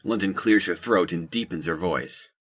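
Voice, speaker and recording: A man's voice: sits low, normal speed, dry recording, clean studio sound. A man reading scripted third-person narration for an audio drama.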